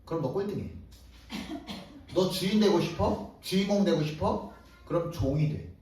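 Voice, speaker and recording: A man with a high voice preaches a sermon in a church hall. He tells the story in a lively way and slips into the voices of the people in it. The sound carries heavy echo and he stands some way from the microphone. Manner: animated storytelling, acting out disciples' voices. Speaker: pastor. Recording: echoey hall, distant mic.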